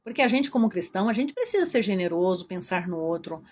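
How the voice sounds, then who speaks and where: A woman with a Brazilian Portuguese accent teaching a Christian workshop lecture in a lively, chatty way, addressing her audience directly. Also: medium pitch, fast.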